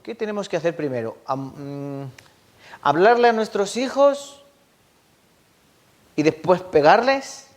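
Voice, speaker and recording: A man's voice: high-pitched, animated, slow pace, long pauses. A man preaching a sermon as pastor, often asking the congregation questions. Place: church.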